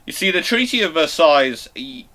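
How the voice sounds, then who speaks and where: A man's voice: fairly high pitch, very animated, a little fast, sharp tone. A man hosting an unscripted history Q&A, talking discursively and often reworking his sentences as he goes. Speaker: host of a live history Q&A show.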